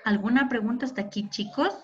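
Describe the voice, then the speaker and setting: A woman's voice: on the high side, muffled recording, a little hiss or hum. A woman teacher explaining English grammar in a patient lesson, regularly checking in with her students. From Ecuador. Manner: explains slowly, keeps asking ¿verdad? and ¿ya?.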